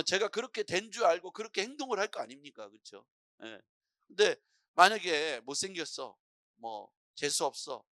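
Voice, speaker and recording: A man's voice: a little high, no room sound, clean studio sound. A middle-aged male pastor preaching a morning prayer sermon in a church, telling stories and acting out voices as he goes. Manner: lively storytelling preacher, acting out anxious and calm voices.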